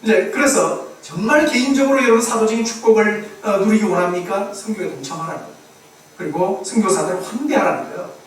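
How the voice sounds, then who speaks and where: A man's voice: high-pitched, brisk. A man, a missionary preacher, giving a sermon and telling a story with animation, acting out the voices of the people he quotes. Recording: echoey hall heard from far off, faint background noise.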